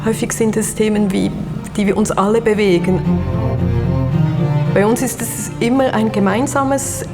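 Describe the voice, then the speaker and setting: Calm woman director over music. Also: mid-range voice, unhurried. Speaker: artistic director. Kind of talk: interview portrait. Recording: music bed underneath.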